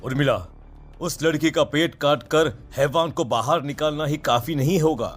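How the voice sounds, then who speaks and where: A man playing a grave, foreboding Hindu priest in an animated horror story, solemn and commanding. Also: on the high side, moderate pace, natural voice. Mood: urgent warning.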